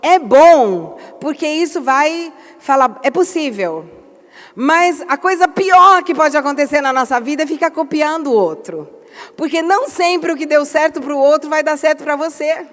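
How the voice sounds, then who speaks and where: Woman pastor, high voice, lively storyteller with sudden emphasis, reverberant hall. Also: moderate pace. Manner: animated storytelling with emphatic outbursts. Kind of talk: church conference talk.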